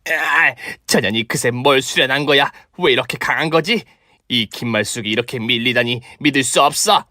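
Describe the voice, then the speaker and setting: A man's voice: medium pitch, normal speed, pushed and bright, no echo, close to an everyday voice. A shameless older mother-in-law from a comic radio drama, put on by a man, in a dry, close sound. She is a brash freeloader with a melodramatic, wheedling way of talking. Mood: stunned.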